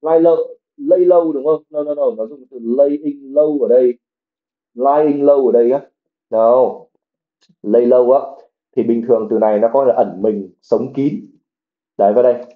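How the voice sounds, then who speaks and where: A man's voice: mid-range voice, fairly even intonation, unhurried. A man who teaches English reads a novel aloud in a livestream, then translates each passage and explains the vocabulary word by word. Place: livestream at home. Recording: phone-like narrow sound.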